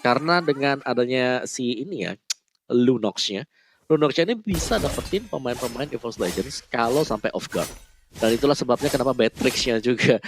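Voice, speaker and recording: A man's voice: mid-range voice, a little hiss or hum. A man with an Indonesian accent giving casual, emphatic analytical commentary on an esports match.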